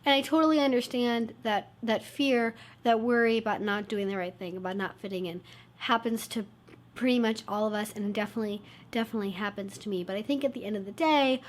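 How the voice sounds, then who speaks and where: Woman vlogger, congested and tired, earnest and reassuring, a touch high. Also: fairly quick. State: congested, stuffed-up nose; low on energy. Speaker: YouTube channel host. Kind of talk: casual talk to camera.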